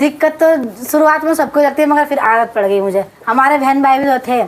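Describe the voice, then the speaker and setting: A woman's high pitch with ordinary pitch variation, very even loudness and a moderate pace over noticeable background noise. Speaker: housewife, family member. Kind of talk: casual family interview.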